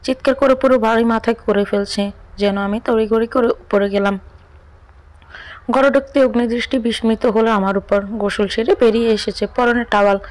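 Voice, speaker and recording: A woman's voice: fairly high pitch, normal speed. Young woman reading an audio story. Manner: expressive, reads first-person with dialogue. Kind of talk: scripted audio story narration.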